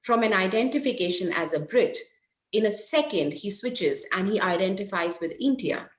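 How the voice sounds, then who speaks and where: A woman presenting an academic paper, reading it aloud in a measured, careful way. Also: mid-range voice, lively intonation. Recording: echoey room.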